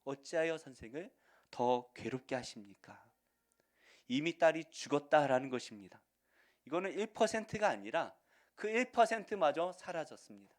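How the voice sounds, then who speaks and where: A man preaching a sermon as pastor in a church, swinging between loud proclamations and hushed, near-whispered lines. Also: fairly high pitch, sing-song, normal speed. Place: church sanctuary.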